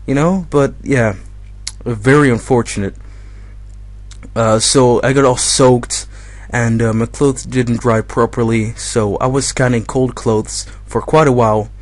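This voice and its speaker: A young man commentating his own game in a casual, rambling way, his voice slightly hoarse from being a bit ill. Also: medium pitch, steady tone, unhurried, no echo. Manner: chatty, rambling, self-correcting. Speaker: gaming commentator.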